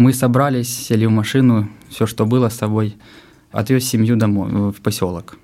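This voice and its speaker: A man's fairly low voice with a dark, mellow tone, fairly even intonation and a moderate pace. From eastern Ukraine, Luhansk region. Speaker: neurologist. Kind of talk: interview. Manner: halting.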